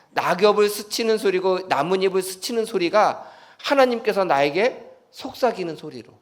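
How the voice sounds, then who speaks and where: Lively high-voiced Korean pastor preaching. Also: male voice. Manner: animated, asks the congregation questions and acts out dialogue. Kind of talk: sermon.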